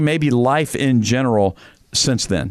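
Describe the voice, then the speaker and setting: A man's medium-pitched, fairly slow speech with lively intonation. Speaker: radio host. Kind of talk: casual chat. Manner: animated.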